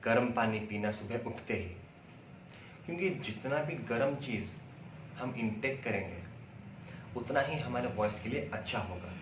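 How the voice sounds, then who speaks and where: A man's voice: mid-range voice, expressive, measured pace, long pauses. A man with an Indian accent giving an instructional lecture, explaining things by asking questions and answering them himself. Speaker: acting instructor. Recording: roomy echo, distant mic, faint noise.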